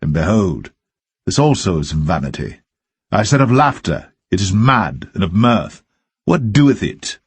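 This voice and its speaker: A man with a lowish, husky voice narrates scripture in a formal, measured way. The delivery is solemn and scripted, like an audio Bible, and the recording is very dry and close. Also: sing-song, no room sound.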